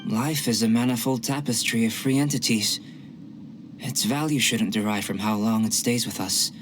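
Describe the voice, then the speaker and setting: A man voicing a calm young male alchemist, curious and scholarly, who speaks in a measured, soft, philosophical way in game voice acting. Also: medium pitch, close to an everyday voice. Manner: measured, softly spoken, philosophical. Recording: game audio with clear music behind.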